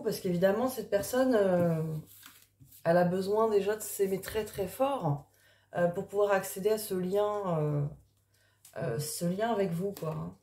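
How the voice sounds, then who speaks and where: A woman card reader talking casually in an early-morning voice, improvising and thinking aloud in a halting way with trailing pauses. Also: on the low side, dark tone. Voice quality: early-morning voice, which the speaker calls gruff. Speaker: tarot card reader and spiritual coach. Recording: echoey, reverberant room.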